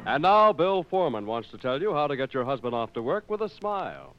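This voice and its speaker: Old-time American radio announcer, higher-pitched man. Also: sing-song, a little fast. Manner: formal, emphatic old-time radio delivery. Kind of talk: 1950s radio announcing, scripted. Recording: dull vintage radio recording, music behind.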